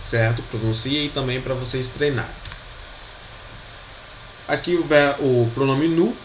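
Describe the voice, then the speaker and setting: A man with a Brazilian Portuguese accent teaches French grammar in a video lesson, speaking a little slowly in a mid-range voice. He patiently repeats each pronunciation and keeps checking that students follow. The room echoes, with a faint hum behind him.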